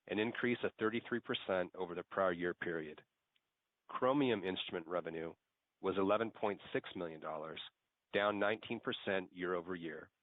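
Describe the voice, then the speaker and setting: Low-voiced man on a tinny phone line. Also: no room sound. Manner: formal, measured reading. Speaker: finance executive. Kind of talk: scripted earnings call presentation.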